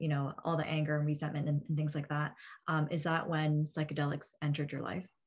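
Against a quiet background, a woman speaks with a very deep, low pitch and a somewhat breathy voice. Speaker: podcast host. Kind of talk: casual interview.

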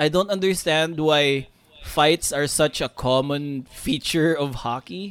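This man has a fairly high-pitched voice. He speaks at a very slow pace. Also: ordinary pitch variation. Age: 30s. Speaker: podcast co-host. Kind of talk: casual chat.

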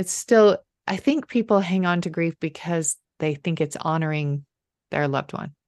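A woman with an American accent speaks at a fairly slow pace, with long, frequent pauses and lively intonation. The sound is dry and close with no echo, over a quiet background. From USA. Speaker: podcast host. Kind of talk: interview. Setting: remote call.

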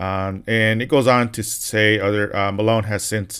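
Here is a man with a plain, everyday voice and an American accent, pitched fairly low. He talks at a moderate pace on a very clean recording with a silent background. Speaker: podcast host. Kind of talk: casual interview chat.

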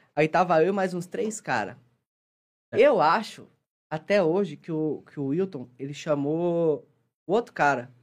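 A man speaks fairly slowly in a high voice with ordinary pitch variation and long, frequent pauses. The recording is very clean, with a silent background. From São Paulo, Brazil (Jaçanã, north zone). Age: 20s. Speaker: personal trainer. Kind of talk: casual interview. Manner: casual slangy speech.

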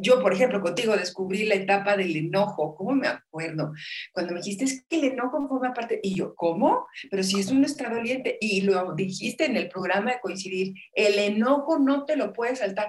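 An unremarkable speaking voice: a woman at medium pitch, moderate pace and lively intonation. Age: 60s. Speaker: radio and TV presenter. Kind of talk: personal testimony.

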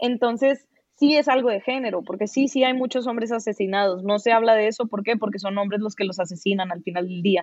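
A woman's fairly high voice at a fairly quick pace, with ordinary pitch variation and hardly any pauses. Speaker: podcast guest, feminist podcaster. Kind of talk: casual discussion. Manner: animated.

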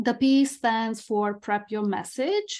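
Against a quiet background, a woman with a Romanian accent speaks very slowly in a fairly high voice with fairly even intonation. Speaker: visibility coach. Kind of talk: interview. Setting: remote call.

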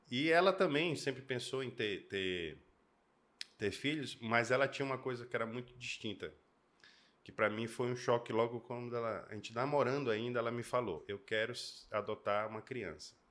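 A man's normal speaking voice at medium pitch and moderate pace. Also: ordinary pitch variation. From Manaus, Brazil. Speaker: children's pastor. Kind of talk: casual chat.

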